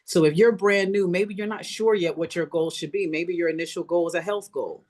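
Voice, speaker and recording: A woman's voice: on the low side, a little fast, darkish tone. A woman leading a live motivational online class as a coach, speaking emphatically and repeating phrases to encourage her listeners. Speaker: business coach hosting an online masterclass. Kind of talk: live motivational webinar talk.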